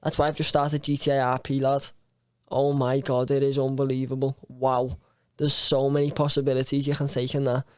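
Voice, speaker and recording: A man's voice: mid-range voice, flat delivery, a little fast, clean tone, dry recording, studio quality. A young man with a Scouse accent from Liverpool talks as a guest on a casual podcast, slangy, emphatic and sweary. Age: young adult.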